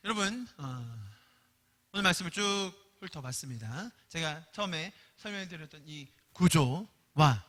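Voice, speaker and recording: A high, very bright male voice preaches with lively, swooping pitch. He tells the story in an animated way and acts out each voice. The sound carries a long reverb from a church hall. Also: measured pace. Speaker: pastor. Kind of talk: Korean sermon.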